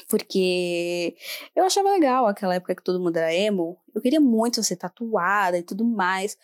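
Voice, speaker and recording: A woman's voice: medium pitch, darkish tone, dry recording, clean studio sound. A young woman hosting a casual solo podcast, chatty and self-mocking, swearing now and then. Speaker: podcast host.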